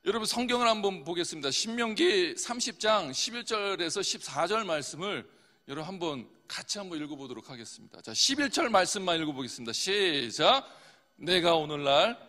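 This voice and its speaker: High lively-voiced male pastor preaching. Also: fairly quick. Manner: asks the congregation questions and answers them himself. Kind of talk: sermon. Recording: long hall reverb.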